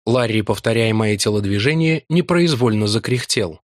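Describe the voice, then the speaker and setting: A man reading a novel aloud in measured, expressive scripted narration. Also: lowish voice, no echo, studio quality. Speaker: audiobook reader.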